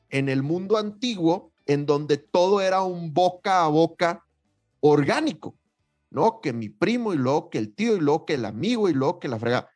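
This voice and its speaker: Animated Mexican man, slangy podcast host. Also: fairly high pitch. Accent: Mexican Spanish. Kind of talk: casual podcast chat.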